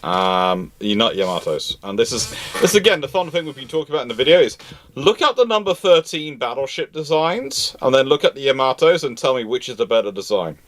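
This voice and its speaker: A man with a mid-pitched voice hosts an off-the-cuff history discussion. He argues his points in a halting way, often correcting himself as he goes. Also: big pitch swings, fairly bright tone, a little hiss or hum. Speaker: live-stream host answering viewer questions.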